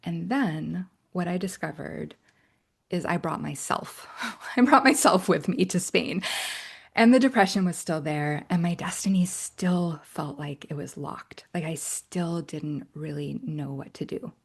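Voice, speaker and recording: A middle-aged woman coach, a native English speaker, leads an online workshop in an earnest, personal way. Her fairly low voice is gravelly with a breathy edge and a measured pace, and she keeps checking in with "right?" and drifting into soft, whispery asides.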